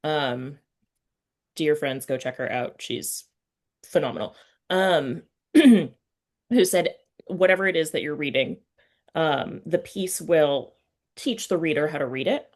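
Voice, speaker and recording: A woman's voice: low voice, animated, takes it slowly, pauses often, a little mellow. A woman hosting a casual literary interview, speaking informally and thinking aloud as she forms her questions. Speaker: podcast interviewer and writing teacher.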